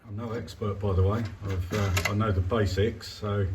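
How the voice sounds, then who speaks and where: A man's voice: lowish voice, steady tone, moderate pace. A man giving a casual, hesitant, understated commentary as he does a hands-on repair, thinking aloud. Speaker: hobbyist presenting a radio repair. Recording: clearly noisy home recording with clicks.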